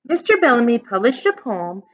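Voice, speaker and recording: A woman's voice: fairly high pitch, sing-song, moderate pace, muffled recording. An American woman reading a picture book aloud to children as a teacher, explaining it simply and putting questions to young listeners. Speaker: elementary school teacher.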